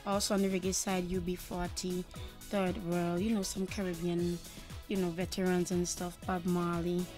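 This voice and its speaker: A woman's voice: lowish voice, level tone, moderate pace, a little mellow, faint music behind. A young woman from Trinidad and Tobago, a singer answering interview questions confidently, often saying "you know". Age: young adult.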